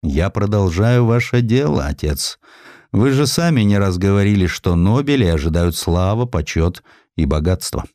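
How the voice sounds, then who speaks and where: Earnest, confident young inventor performed by a man for historical audiobook. Low register, stubborn, dry recording. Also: expressive, normal speed, warm tone, no echo.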